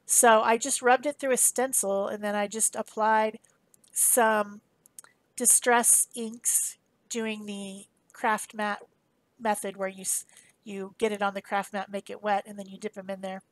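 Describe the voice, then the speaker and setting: A woman's voice: medium pitch, little pitch movement, a little slow, dry recording, poor audio. A woman giving a casual, chatty voice-over for a craft demonstration, explaining informally as she goes. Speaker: craft tutorial host.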